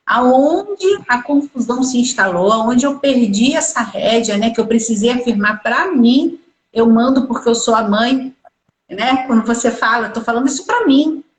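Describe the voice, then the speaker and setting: A woman's voice: on the high side, expressive, normal speed. A woman hosting a live stream on parenting over a video call, talking in an urgent, insistent way. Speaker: host. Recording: echoey room.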